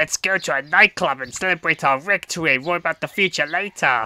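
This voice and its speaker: A man puts on a character voice at a fairly high pitch, racing along at a very fast pace on a very clean recording with a silent background. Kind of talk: audio play.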